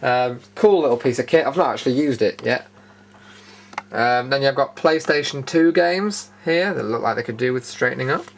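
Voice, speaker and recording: A man's voice: mid-range voice, moderate pace, vocal fry, slight background noise. A British man hosting a retro gaming show, casually narrating a room tour in an informal, rambling, enthusiastic way.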